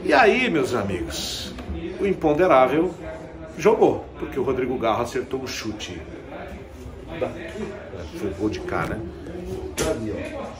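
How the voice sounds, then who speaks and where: A man's voice: mid-range voice, sing-song, a little slow, long pauses. A man with a Brazilian accent giving a casual, conversational and emphatic post-match recap as a football commentator, recorded in a stadium. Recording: echoey stadium with crowd behind.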